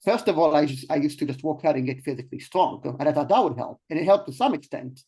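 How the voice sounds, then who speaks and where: A man's voice: a little high, animated, fast, dark tone, slightly rough. A young man from Israel, a guest in an interview, talking casually with many ums and restarts. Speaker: guest, life coach.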